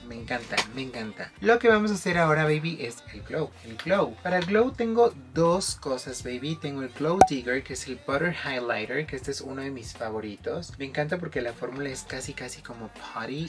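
A man talking casually through a makeup tutorial, chatty and affectionate, with faint music behind. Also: medium pitch. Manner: chatty, affectionate, mixes in English phrases. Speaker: makeup vlogger.

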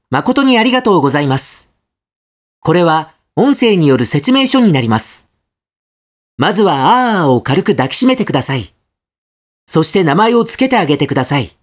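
A young adult man reading scripted narration in a polite, carefully articulated product-guide manner. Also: high-pitched. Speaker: voice actor, narrator.

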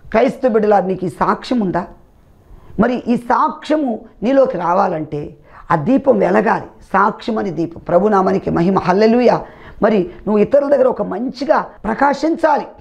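A man's voice: high voice, gravelly, darkish tone. A man preaching a televised sermon with fervour, often crying out hallelujah and praise the Lord.

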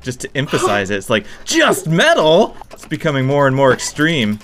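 A man's voice: mid-range voice, quick pace. A man hosting a game stream, chatting casually and chuckling through wry remarks. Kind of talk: casual gaming chat. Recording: noisy stream audio with mouse clicks.

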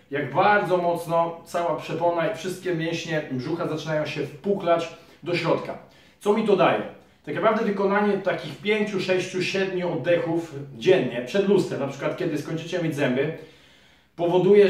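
A man in his thirties, a physiotherapist and trainer, calmly explaining a fitness exercise to viewers, recorded by a camera across a small room. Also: fairly high pitch, distant mic. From Poland. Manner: calm, explanatory, addresses viewers directly. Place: small room in front of a curtain. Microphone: camera mic from across the room. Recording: very echoey room, voice from afar.

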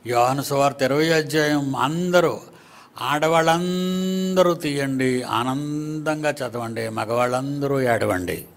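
A man's voice: mid-range voice, takes it slowly, vocal fry. A man preaching a sermon to his congregation, teasing the listeners with rhetorical questions.

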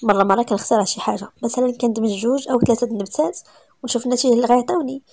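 An earnest young Moroccan man, as a woman narrator reads him, explaining himself with sincere care. The voice stays near her own, quick and gravelly with a breathy edge. A spoken storybook delivery. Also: a little high, a little mellow. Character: earnest young man, nature-loving decorator.

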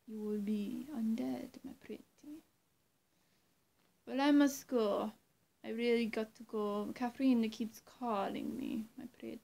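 Young woman, vampire roleplay, slightly high voice, creaky, halting, coaxing and menacing, whispery dips. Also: warm tone. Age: young adult. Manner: slow, halting, often dropping to a whisper. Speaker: roleplay performer. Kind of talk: in-character vampire roleplay to the listener. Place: small room indoors.

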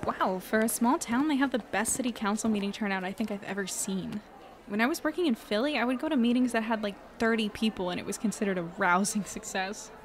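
An actress plays a thoughtful, slightly uneasy woman in a podcast drama. Her voice is medium in pitch and naturalistic, with casual phrasing. Faint ambience runs behind her. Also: a little fast, a little hiss or hum, close to an everyday voice. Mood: conversational. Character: uneasy, thoughtful woman investigating a secretive town. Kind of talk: audio drama dialogue.

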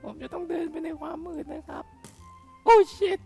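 Squeaky jumpy game hero. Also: male voice, normal speed, creaky, soft background music. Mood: excited. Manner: excitable, yelps and curses when startled. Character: squeaky high-voiced young male game hero, jumpy and excitable. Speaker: game caster. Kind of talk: playing and narrating a block-building game in a put-on voice.

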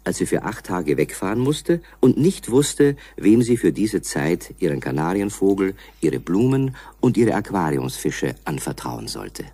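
A man's voice: deep voice, sing-song, measured pace, few pauses, warm tone, breathy edge, no room sound. A man narrating a children's story as a scripted storyteller.

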